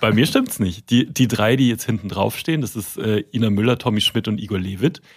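A man with a lowish voice chats as a guest author. He stops and restarts often and mixes in self-deprecating jokes. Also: fairly quick, slightly rough. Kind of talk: casual interview chat.

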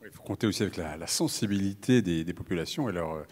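A man moderating a conference panel, introducing guests and prompting them with measured questions. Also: low-pitched, darkish tone. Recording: reverberant conference hall.

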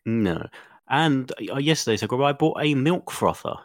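A man's voice: medium pitch, animated, unhurried, no echo, clean studio sound. A man co-hosting a podcast, telling rambling stories full of fillers and sounding a bit sniffly. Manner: rambling, chatty storytelling with many fillers. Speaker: podcast co-host. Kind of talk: casual chat.

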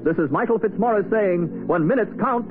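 A man's voice: high-pitched, normal speed. An American man working as a radio announcer, reading scripted copy in a polished, formal 1940s style. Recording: tinny, hissy 1940s radio recording.

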